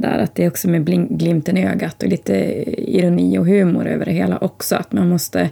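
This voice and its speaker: Noticeable background noise is present. A woman speaks at a fairly quick pace. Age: 40s. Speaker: podcast host. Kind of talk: casual interview.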